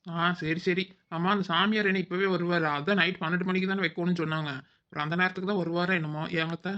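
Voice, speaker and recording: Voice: medium pitch, steady tone, quick pace, pushed and bright, lightly acted. A performer voicing a young village daughter-in-law in a cartoon, whiny and muttering to herself. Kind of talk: cartoon voice acting. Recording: dull lo-fi recording.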